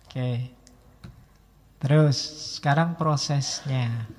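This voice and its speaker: A man giving a relaxed philosophy lecture in a mosque hall, acting out quarrels in little voices. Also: medium pitch, drawn-out words, a little hiss or hum.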